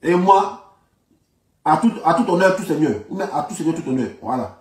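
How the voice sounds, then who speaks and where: Ivorian guy doing political talk, kinda high voice, repeats stuff to push his point, really roomy echo. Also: animated, moderate pace, a little mellow. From Ivory Coast. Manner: emphatic, repeats phrases insistently. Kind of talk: informal political commentary. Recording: roomy echo, distant from the mic.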